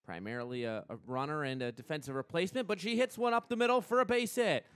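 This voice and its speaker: Higher-voiced young American man calling softball. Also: clear, resonant tone, no echo. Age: young adult. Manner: measured between plays, excited on big plays. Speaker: play-by-play announcer. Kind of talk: live radio softball commentary.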